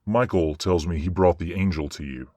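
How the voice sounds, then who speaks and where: Male angel judge, voiced by an actor: low, formal, commanding yet fair, with a dry, close sound. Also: moderate pace, no echo. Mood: measured, questioning. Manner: formal, commanding, even-handed. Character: measured, authoritative male judging archangel. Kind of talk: dramatic audio roleplay acting.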